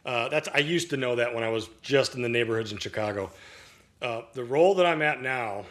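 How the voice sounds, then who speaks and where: A man's voice: mid-range voice, a little fast, a bit bright. Long-winded man telling a work story. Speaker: guest, commercial real estate broker. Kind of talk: casual podcast interview.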